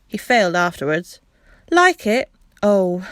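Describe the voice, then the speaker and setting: A woman reading as a gushing working-class wife, loud and effusive, her voice climbing high as she spills over with feeling. She talks in broad rustic dialect, in a dry, close storybook reading. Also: lively intonation, brisk, no room sound, natural voice. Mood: overjoyed. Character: homely working-class wife, warm and emotional.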